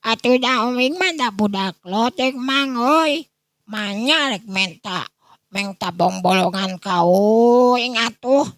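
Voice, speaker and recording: A man voicing a humble seven-year-old village boy in a Sundanese folk story, with drawn-out, hesitant phrasing. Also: very high-pitched, expressive, fairly bright tone, no echo, studio quality, voice pushed up, exaggerated voice. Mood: humble, puzzled.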